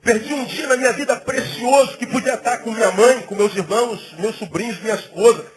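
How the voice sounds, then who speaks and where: High-voiced animated preaching man. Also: fairly quick, low-quality recording. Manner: animated, conversational preaching with rising emphatic peaks. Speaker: pastor. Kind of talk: sermon. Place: church.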